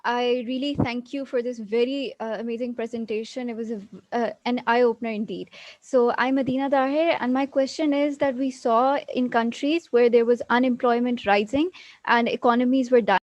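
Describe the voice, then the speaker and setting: Higher-pitched woman, dry close sound. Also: steady tone, normal speed, darkish tone, no echo, lo-fi sound. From Pakistan. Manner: polite. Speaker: audience questioner. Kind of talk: prepared question at an online event.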